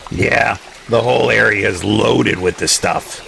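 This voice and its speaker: A man's voice: on the low side, unhurried, vocal fry, pushed and bright, heavily acted. A man acting as a folksy, cooperative sheriff in an audio drama, plain-spoken and easygoing. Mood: agreeable. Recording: noisy ambience behind audio drama dialogue.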